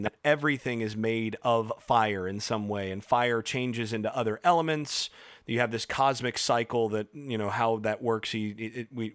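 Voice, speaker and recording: A man explaining ideas in a casual podcast discussion, professorial and halting, with frequent restarts and fillers. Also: lowish voice, a bit bright, dry recording, studio quality. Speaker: podcast co-host.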